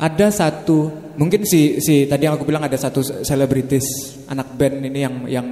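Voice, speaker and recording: With noticeable background noise around him, a man speaks at a moderate pace in a fairly high pitch with fairly even intonation. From Kalimantan, Indonesia. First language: Kalimantan regional language (speaking Indonesian). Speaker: musician. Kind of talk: casual discussion talk. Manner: halting, with repetitions.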